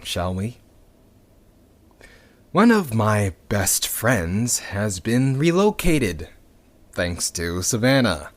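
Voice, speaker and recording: Bitter rebel narrator for sci-fi audio drama: sardonic, unhurried, widely swinging intonation. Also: male voice, mid-range voice. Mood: weary, bitter. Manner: sardonic, sweary, dramatic pauses and emphasis. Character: bitter, sardonic male rebel recounting a dystopian future. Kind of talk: audio drama monologue addressed to listeners.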